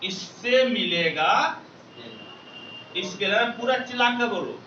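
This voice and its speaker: Male maths teacher, keeps firing questions for the class to shout back; distant, lo-fi mic. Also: high-pitched, lively intonation, slow, roomy sound, slight background noise. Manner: drills students with call-and-response questions. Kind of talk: classroom lecture.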